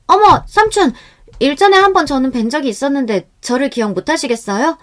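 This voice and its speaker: A woman voicing a clever eighteen-year-old girl who asks bright, sweetly mocking questions. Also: sits high, big pitch swings, fairly quick, voice pushed up. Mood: sly teasing.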